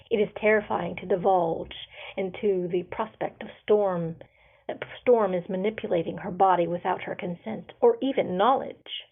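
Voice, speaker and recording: A woman's voice: mid-range voice, vocal fry, slightly rough. A woman reading her own fantasy writing aloud and presenting it as its author and narrator. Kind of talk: expressive audiobook-style reading and presenting. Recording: narrow phone-like sound.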